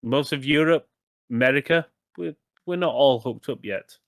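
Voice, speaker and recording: A man's voice: mid-range voice, moderate pace, no room sound. Guy rambling about games on a podcast, restarts a lot, mid voice, dry. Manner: rambling, self-correcting, swears casually. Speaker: podcast co-host. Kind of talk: casual gaming podcast chat.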